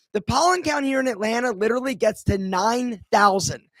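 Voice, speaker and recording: Loud and animated, a man with an American accent talks at a moderate pace in an extremely high pitch with lively intonation, the sound dry and close with no echo. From US Northeast, Philadelphia. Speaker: channel founder hosting live Q&A. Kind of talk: livestream Q&A, casual chat.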